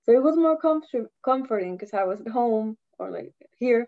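A woman's voice: a little high, animated, moderate pace, creaky. Chatty woman, muffled audio. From Costa Rica. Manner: chatty, laughs often, trails off mid-sentence. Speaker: guest, university student. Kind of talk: casual interview chat. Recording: dull lo-fi audio.

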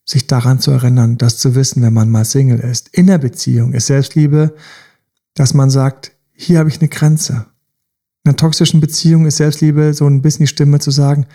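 A man's voice: medium pitch, flat delivery, normal speed, dark tone. A man hosting a self-help podcast, coaching listeners directly with repeated rhetorical questions. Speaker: podcast host.

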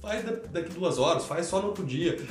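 A man's voice: fairly high pitch, lively intonation, a little fast. A Brazilian man hosting a live stream, explaining through everyday examples in a casual conversation about teaching children. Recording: echoey room with faint music.

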